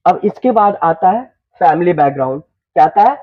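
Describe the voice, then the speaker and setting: Young male teacher with a Bhojpuri-flavored accent and a high voice, recorded thin like a phone line, repeating lines and checking students understand. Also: expressive. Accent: Bhojpuri-influenced Hindi. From eastern Uttar Pradesh, India. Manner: repeats phrases, checks students understand, slows down for English sentences. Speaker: English teacher. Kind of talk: classroom lesson.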